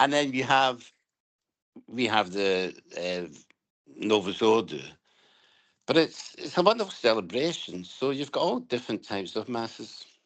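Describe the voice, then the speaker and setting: A man with a Scottish accent talks at a medium pitch, his intonation lively and broken by long, frequent pauses. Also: moderate pace. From Scotland, Glasgow. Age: 60s. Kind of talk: interview.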